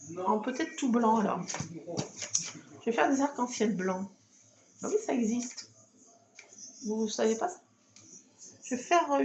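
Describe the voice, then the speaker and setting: A woman's voice: on the high side, vocal fry, background noise. A woman chatting casually to camera while she works on a craft project at her table, talking to herself as she goes. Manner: chatty, self-talking, fussing over her cat. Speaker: scrapbooking video host. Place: home craft table at night.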